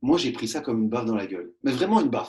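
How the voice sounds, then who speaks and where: Very fast and animated, a man talks with lively intonation. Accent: slight Belgian. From Belgium. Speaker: speaker on workplace happiness, former teacher. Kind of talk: interview.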